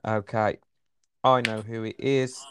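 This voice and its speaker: A man's voice: lowish voice, flat delivery, a little hiss or hum. Chatty Black Country man quizzing a friend. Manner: chatty, rambling, quick asides. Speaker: quiz host. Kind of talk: casual football quiz chat.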